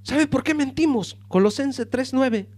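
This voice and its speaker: A male pastor preaching a sermon with passion, calling the congregation brothers and swinging from loud to hushed. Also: extremely high pitch, unhurried.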